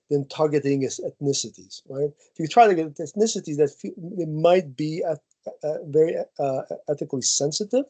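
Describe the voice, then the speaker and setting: Man, slightly high voice, soft warm tone, hesitant explanatory talk, video call. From Ukraine. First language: Ukrainian. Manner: thoughtful, with many hesitant fillers and restarts. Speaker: guest speaker, geneticist. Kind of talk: answering audience questions after a talk.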